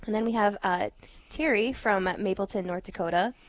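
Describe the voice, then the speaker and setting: A woman's voice: mid-range voice, moderate pace. A female radio co-host reads out donor names in a cheerful, upbeat manner. She giggles often, with a faint hiss of noise behind her. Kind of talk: reading donor names on air.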